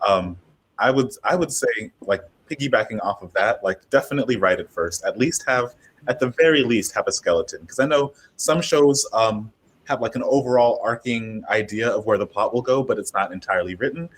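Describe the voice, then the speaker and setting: A man with a low, somewhat husky voice talks casually in a panel discussion. He explains things conversationally, often dropping in "like" as a filler. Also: brisk, fairly bright tone, rough recording. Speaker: panelist, audio drama maker.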